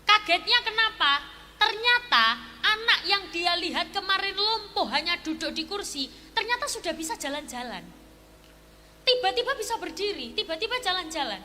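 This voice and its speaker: A woman preacher giving a sermon at a live gathering, telling a story and acting out its dialogue with lively voices. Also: very high-pitched. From Indonesia. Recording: echoey hall with faint noise.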